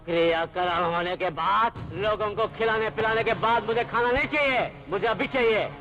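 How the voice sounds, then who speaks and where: An actor playing a ruthless, vengeful patriarch in a dubbed film, harsh and commanding. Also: male voice, high voice, normal speed. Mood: menacing. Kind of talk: Hindi film dub. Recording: dull dubbed film audio with loud music and crowd.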